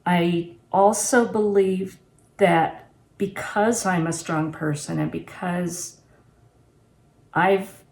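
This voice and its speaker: Slow-talking woman in her sixties. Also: fairly low pitch, fairly even intonation, vocal fry, darkish tone. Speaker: homesteading vlogger reviewing gear and giving advice. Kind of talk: casual unscripted talk to camera. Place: home kitchen, indoors.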